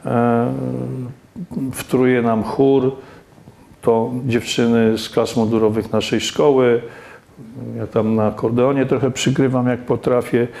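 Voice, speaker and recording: A man's voice: medium pitch, little pitch movement, takes it slowly, creaky, dark tone. A man in his fifties, a school director, answering interview questions plainly and firmly. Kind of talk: conversational interview. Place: office room with plants and bookshelves.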